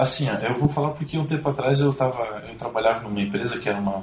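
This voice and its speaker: The speaker is a man. His pitch moves in an ordinary way. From western Santa Catarina, Brazil (Videira). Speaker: podcast guest, local of the state. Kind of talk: casual chat.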